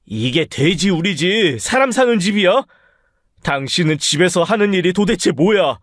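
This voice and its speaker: A man's voice: sits high, expressive, normal speed, no echo, clean studio sound. A man voicing an irritable, sick middle-aged husband who harshly scolds his wife in a radio story drama. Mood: nagging. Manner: harsh, nagging, rising to shouts.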